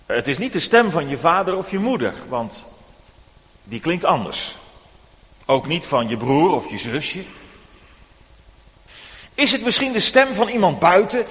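Male preacher, children's sermon; high, very animated storytelling, reverberant church hall. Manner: animated, addressing children directly.

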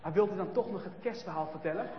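A man's voice: high-pitched, quick pace, slight background noise, natural voice. A man voicing a small, frail boy who speaks faintly and weakly in a children's story. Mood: pleading. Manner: faint, feeble and soft-spoken. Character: small frail boy, weak and half-frozen. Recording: echoey hall, dull sound.

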